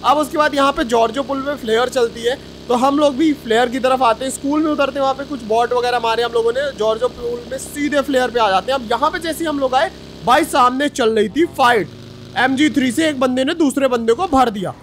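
A young man narrating his own gameplay in a chatty, excited voice-over, talking straight to his viewers. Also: very high voice, fairly quick, slight background noise. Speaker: gaming YouTuber.

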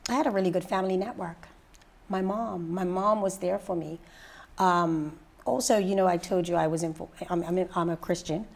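A woman in her thirties from Bermuda, a radio personality and mentor, telling her story in a sit-down interview with lively, rising energy. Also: moderate pace, creaky. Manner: lively storyteller, rises high when excited. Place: living room set indoors.

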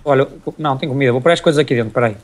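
A man's voice: medium pitch, racing. A young man, chatting and joking with his friend while they play a game together. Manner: joking, teasing. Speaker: co-player. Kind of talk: casual gaming chat.

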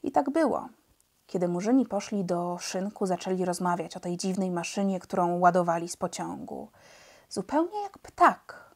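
A woman reading a children's novel aloud, telling the story in a lively, expressive way. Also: lowish voice, normal speed, gravelly. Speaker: audiobook narrator.

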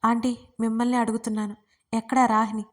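A woman's voice: on the high side, steady tone, fairly quick, natural voice. A woman voicing a young man, an insistent and shaken fiancé, in a storybook reading. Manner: pleading then insistent, raising his voice.

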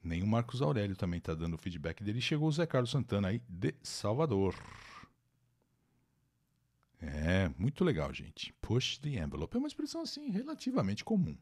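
A Brazilian man hosts a live English class, reading an article, translating it, greeting viewers by name, and chattily explaining words and their pronunciation. His lowish, slightly mellow voice swoops wildly in pitch at a moderate pace, recorded on a new microphone.

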